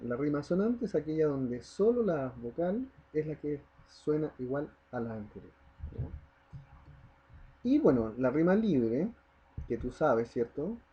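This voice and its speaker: A man's voice: a little high, mellow, husky. A man teaching a primary school class, explaining step by step, stressing the example words and often checking in with the children. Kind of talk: recorded online class lesson.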